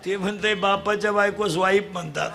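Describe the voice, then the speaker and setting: A man giving a comic kirtan sermon, teasing and quizzing the children in the crowd and demanding loud answers. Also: sits high, steady tone, brisk, vocal fry, noisy background. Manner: bursts into shouts at times. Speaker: kirtan preacher. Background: audience sounds.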